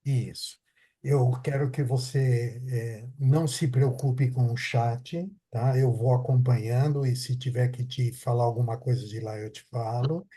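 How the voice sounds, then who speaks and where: A man's voice: medium pitch, steady tone, unhurried, mellow, slightly rough. A man hosting an online talk, welcoming and reassuring his guest over a video call. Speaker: host.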